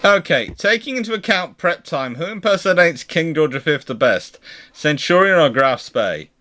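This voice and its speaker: A man's voice: fairly high pitch, lively intonation, normal speed, bright, forceful tone. A British man hosting a live question-and-answer chat, talking discursively and often rephrasing himself mid-sentence. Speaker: host.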